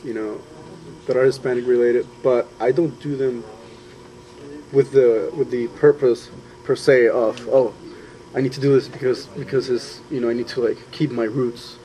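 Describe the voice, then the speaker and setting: A young man from Honduras talks thoughtfully about moving to the U.S., pausing often and restarting his sentences. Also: mid-range voice, steady tone, warm tone, slight background noise, low-quality recording. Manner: thoughtful, hesitant with fillers and restarts. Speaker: student interviewee. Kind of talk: personal testimony.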